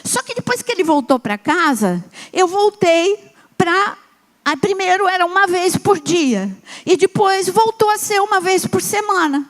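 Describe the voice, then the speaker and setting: A woman's voice: very high voice, animated, unhurried. A woman from Brazil preaching, moving from prayerful declarations into chatty personal storytelling.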